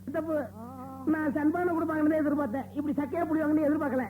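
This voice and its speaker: An actor playing a naive, simple-minded barber's helper who answers back with innocent, silly remarks, in film audio taken from an old cassette tape. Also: male voice, extremely high pitch, steady tone, very fast, mellow, slight background noise, low-quality recording. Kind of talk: 1990 Tamil film comedy dialogue from cassette.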